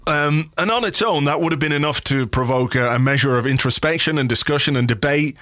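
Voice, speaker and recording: A man hosting a football podcast with a cold that leaves him a bit croaky, chatting with a dry, sweary, self-mocking humour. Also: a little high, brisk, pushed and bright, no room sound. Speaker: podcast host. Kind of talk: casual football podcast chat. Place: home office. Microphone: studio microphone.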